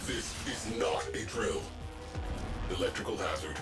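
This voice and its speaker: A man voicing a male ship computer that calls out alarms over a ship loudspeaker, in clipped, flat announcer style. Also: deep voice, unhurried. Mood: urgent. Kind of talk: game voice acting. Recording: echoey, distant, loud game music.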